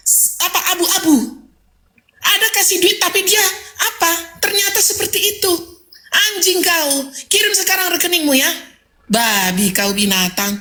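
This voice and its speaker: A woman hosting a live stream lets loose an angry, insulting rant. Her voice sits high and sounds bright and sharp. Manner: angry, insulting, shouting abuse.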